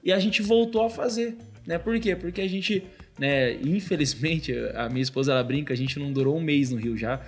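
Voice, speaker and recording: A man in his thirties, a podcast guest, telling a personal faith story in casual chat, animated and full of filler words. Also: fairly high pitch, fairly quick, hardly any pauses, faint music behind. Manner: animated storytelling, constantly says "cara".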